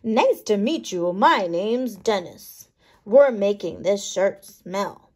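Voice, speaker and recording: A woman's voice: medium pitch, animated, slow pace, darkish tone, husky. A woman voicing cheerful, goofy, dirt-loving shirt microbes in a children's picture book. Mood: friendly.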